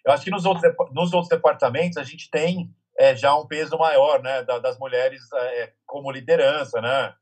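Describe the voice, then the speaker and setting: A man's voice: medium pitch, steady tone, moderate pace, hardly any pauses, darkish tone, breathy edge. A man speaking as a guest in a casual live panel chat over a video call, thoughtful and searching for his words.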